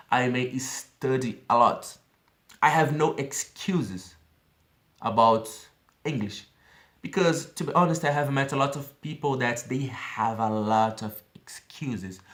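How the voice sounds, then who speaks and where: A man's voice: mid-range voice, fairly bright tone. Brazilian guy in his 30s, english w portuguese accent, earnest chatty app walkthrough, keeps asking okay?. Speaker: language-learning vlogger.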